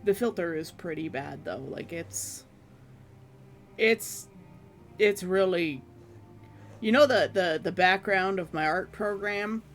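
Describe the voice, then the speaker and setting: A streamer chatting casually with viewers from their room at home, rambling and laughing at themselves, with a hoarse voice that is giving out. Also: mid-range voice, slow, pauses often, a bit bright, faint music behind. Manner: rambling, self-deprecating, laughs often. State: hoarse, losing voice.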